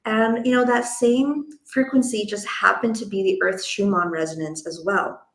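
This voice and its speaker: A woman's voice: mid-range voice, steady tone, normal speed, echoey room. A woman hosting a spiritual interview, speaking in a casual, gushing way peppered with "like" and "you know". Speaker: interview host.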